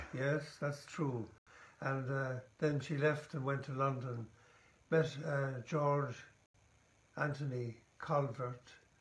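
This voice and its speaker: A man's somewhat breathy, fairly high voice in an Irish accent, very slow, with long, frequent pauses and monotone, flat intonation. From Ireland, Tipperary. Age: 90s. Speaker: retired transport inspector and author. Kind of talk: casual interview. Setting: at home.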